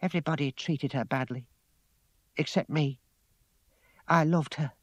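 A man's voice: fairly high pitch, steady tone, unhurried, no echo, dull audio, voice pushed up. A man voicing a bitter, grieving young working-class woman with an emotional, accusing manner in a story. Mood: tearful, bitter.

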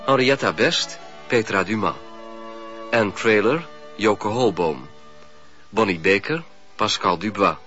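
Slow, formal male radio announcer over music. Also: on the low side, pushed and bright. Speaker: announcer reading closing credits. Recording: dull radio recording.

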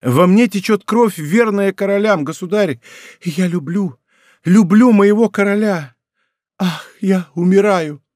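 A man's voice: sits high, unhurried, darkish tone, no echo, studio quality, voice pushed up. A man reading an audiobook, voicing a passionate, pleading young woman in love. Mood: passionate confession. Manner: impassioned, tearful pleading.

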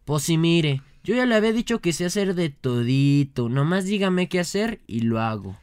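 A man's voice: fairly high pitch, animated, normal speed, darkish tone, clean tone, dry recording, studio quality, natural voice. A man doing a cocky, clueless Mexican job seeker. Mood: boastful. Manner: slangy Mexican street talk, rambling bragging. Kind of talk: radio comedy sketch.

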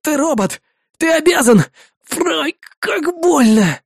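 A man's voice: high voice, expressive, normal speed, darkish tone, breathy edge, no echo, clean studio sound, pitched above the performer's own voice. A man reading an audiobook who voices a panicked, wounded male soldier trapped in wreckage, crying, shrieking and begging in pain. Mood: desperate pleading. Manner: shrieking, pleading, sobbing. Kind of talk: audiobook character voice.

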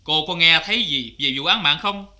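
An actor playing a stern, formal court judge questioning witnesses in a cải lương drama. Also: male voice, a little high, moderate pace, sharp tone.

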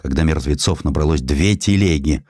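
A man narrating a historical story as an audiobook, in a measured, expressive, solemn and dramatic manner. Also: very deep voice, no echo, clean studio sound. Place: dry studio.

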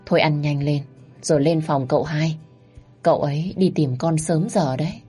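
A kindly older servant woman speaks briskly and with concern, put on by a woman narrator. The voice is low and slightly husky, with a Southern Vietnamese accent, as in an audio storybook. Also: warm tone, soft background music. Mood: caring. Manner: brisk, caring.

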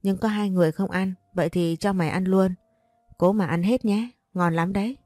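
A woman's voice: mid-range voice, normal speed, warm tone, no echo, studio quality, close to an everyday voice. A woman voicing a spiteful young daughter-in-law who speaks snappily and sarcastically. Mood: taunting.

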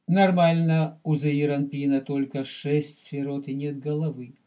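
This male rabbi's voice sits a little high and sounds mellow, with little movement in pitch. Teaching in a recorded religious lecture, he talks deliberately and directly to the listener, explaining and repeating terms to stress them.

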